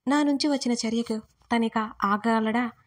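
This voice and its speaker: A young woman reads a romance story aloud as its heroine, in the first person. Her voice sits a little high for a woman. She keeps the telling intimate and full of feeling. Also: moderate pace. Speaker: audio story narrator.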